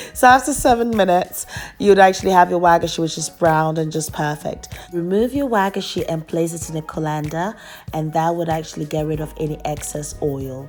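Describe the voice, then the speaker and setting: Over music in the background, the speaker has an animated tone and lively intonation at a moderate pace. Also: woman. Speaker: cooking show host. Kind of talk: cooking tutorial. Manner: chatty, animated.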